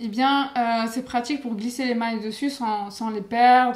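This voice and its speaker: A woman's fairly high, flat, monotone voice at a fairly slow pace. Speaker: knitting youtuber and designer. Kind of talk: tutorial. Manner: halting, many hesitations.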